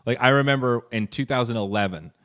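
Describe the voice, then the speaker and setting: A man speaking as a guest on a podcast, talking casually and animatedly, swearing freely and jumping up in pitch when he stresses a point. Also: quick pace, fairly bright tone. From Finland. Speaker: podcast guest, esports commentator.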